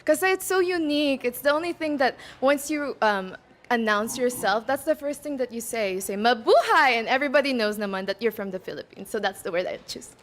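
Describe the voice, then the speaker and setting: A woman's voice: on the high side, expressive, a little fast. A woman in her twenties who grew up in Macau, answering pageant interview questions in a bubbly way, laughing between answers and mixing in Tagalog words. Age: 20s. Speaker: pageant candidate.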